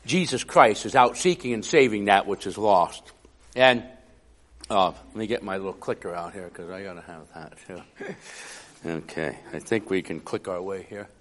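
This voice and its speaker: A man preaching a sermon in a conversational way, with a raspy, hoarse voice from a cough and chuckling asides. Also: sits low, moderate pace.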